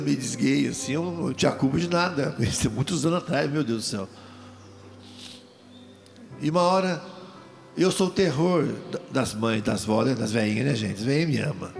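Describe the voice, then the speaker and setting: An older Brazilian man, a deacon, giving a lively testimony to a live audience, telling stories and joking with the crowd. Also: mid-range voice, gravelly. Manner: lively storytelling, jokes and asides to the crowd.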